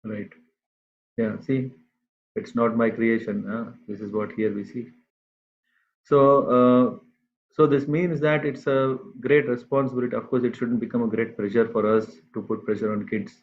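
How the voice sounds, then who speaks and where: A man giving a scripture class to a group, speaking unhurriedly and pausing often with fillers. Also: medium pitch, flat delivery. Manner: unhurried, halting with many fillers. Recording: tinny phone-like line.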